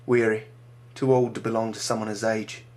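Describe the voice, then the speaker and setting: A man reading his own dramatic short story aloud, measured and slowing for grim moments. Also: lowish voice, flat delivery, darkish tone, slight background noise.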